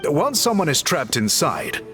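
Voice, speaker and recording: Lively, courteous tribal scholar. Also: male voice, a little high, measured pace. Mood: earnest, explanatory. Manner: formal, articulate, explanatory. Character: learned male tribal scholar, courteous and methodical. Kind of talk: anime-style game voice acting, expository dialogue. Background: game music.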